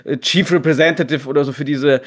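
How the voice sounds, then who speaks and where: A man's voice: fairly high pitch, fairly even intonation, fast talker, slightly rough. A man in his thirties, a guest talking casually at home over a video call, hesitant with many restarts. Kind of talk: casual remote interview.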